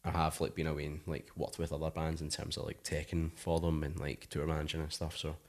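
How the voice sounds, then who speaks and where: Very deep-voiced Scottish man. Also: completely flat delivery, brisk. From Scotland. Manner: rambling, many "like" fillers. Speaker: musician guest. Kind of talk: casual interview chat.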